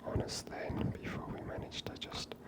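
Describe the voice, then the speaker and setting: Whispering man, ASMR game commentary. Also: normal speed. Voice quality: breathy unvoiced whisper. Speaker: gaming video host.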